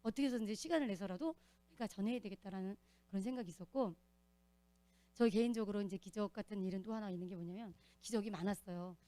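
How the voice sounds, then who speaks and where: A woman giving an earnest, animated testimony as a church deacon, telling her story in a church. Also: mid-range voice, fast talker, no echo.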